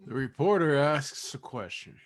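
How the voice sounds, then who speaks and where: A man's voice: medium pitch, expressive, normal speed. A man reading scripted stage directions as narrator in a staged reading.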